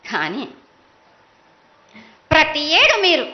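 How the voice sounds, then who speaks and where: A woman's voice: sits high, wildly swooping pitch, takes it slowly, muffled recording. A woman with a Telangana Telugu accent speaking as a mother goddess in a prophetic trance voice, chanting and reproaching her children.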